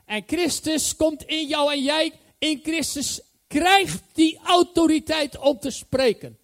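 A man's voice: extremely high pitch, takes it slowly, fairly bright tone. A male preacher giving a sermon, enthusiastic and emphatic, repeating his key phrases.

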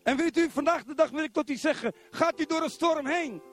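A middle-aged man from Zwolle preaching a sermon in church, animated and constantly putting questions to the congregation. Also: extremely high pitch, fairly quick, faint music behind. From Netherlands, Zwolle.

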